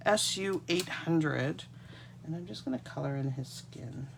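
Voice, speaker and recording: This casual live craft session features a congested Canadian woman who is catching a cold, chatting as she works on cards at her desk. Her voice is deep, gravelly and a little slow, with a noisy background, and the overhead desk camera shows just her hands.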